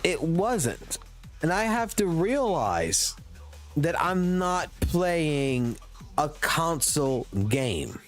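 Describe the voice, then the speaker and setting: A man's voice: a little high, sing-song, extremely slow. Thirty-something guy ranting on stream, cussing a lot, voice jumping all over the place, bit of music in the back. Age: 30s. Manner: profane, ranting, emphatic. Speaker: livestreamer. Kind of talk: casual gaming stream rant.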